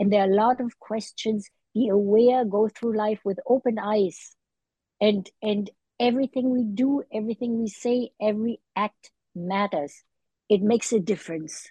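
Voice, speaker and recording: A woman's fairly high, somewhat breathy voice with a dark, mellow tone, fairly even intonation, a moderate pace, and a dry, close sound with no echo. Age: 70s. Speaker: podcast host. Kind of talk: casual conversation.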